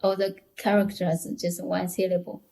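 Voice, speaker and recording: A woman with a Chinese accent chatting as a podcast guest in a halting, hesitant way. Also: fairly low pitch, monotone, creaky, mellow. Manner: halting, hesitant, many short restarts. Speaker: podcast guest, technical author. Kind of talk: casual interview chat.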